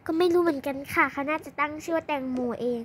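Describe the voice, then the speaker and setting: A young girl, heard in a high, steady, fairly bright woman's voice, speaks at a quick pace over slight background noise. She improvises a playful dollhouse drama and acts out every family member's lines herself, like a storyteller voicing all the characters in a toy roleplay video.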